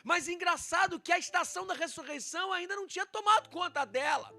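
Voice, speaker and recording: A man's voice: very high voice, fast, gravelly, soft background music. A male pastor with a Brazilian Portuguese accent preaching a dramatic sermon, acting out the scripture dialogue and speaking straight to his congregation. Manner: dramatic, acts out the scripture dialogue with loud swings.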